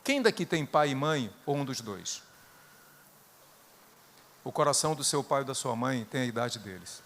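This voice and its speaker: A middle-aged man with a Brazilian Portuguese accent preaches through personal stories. His voice sits at an ordinary pitch, climbing to loud bursts and then sinking to hushed, quiet tones. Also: sing-song, normal speed. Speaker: guest preacher.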